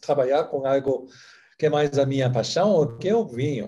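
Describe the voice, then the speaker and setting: A man speaks with a German accent in a fairly high pitch, his tone dark and mellow. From Germany. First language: German (speaking Portuguese). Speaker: wine importer. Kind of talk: interview. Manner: halting.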